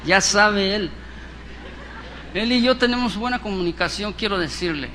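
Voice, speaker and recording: A Mexican man in middle age delivers a sermon in a church, voicing little scenes as he goes. His voice sits high and bright. Faint background noise runs under the recording. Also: normal speed. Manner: animated, acts out dialogues in voices. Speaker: preacher.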